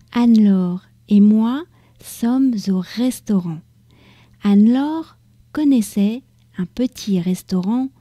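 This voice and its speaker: A French woman hosting a podcast for learners, reading calmly and carefully. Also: mid-range voice, dry recording. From France. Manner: calm, careful, unhurried reading. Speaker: podcast host. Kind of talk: slow read-aloud for French learners.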